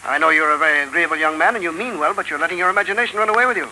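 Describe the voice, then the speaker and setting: Blustering army general. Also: male voice, a little high, very fast, sharp tone, poor audio. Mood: gruff. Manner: brusque, impatient, blustering. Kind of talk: 1930s radio drama acting. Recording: old radio broadcast, faint hiss.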